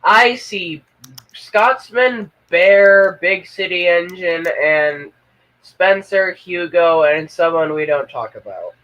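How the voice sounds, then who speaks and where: High-voiced rambling male game streamer. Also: slow, pushed and bright, rough recording. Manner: rambling, stammering, self-narrating. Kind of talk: casual live-stream chatter.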